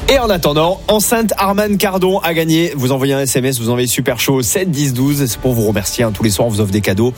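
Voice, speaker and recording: A man's voice: medium pitch, fast talker, few pauses, faint music behind. A man hosting an evening radio show, upbeat and chummy with callers. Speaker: radio host.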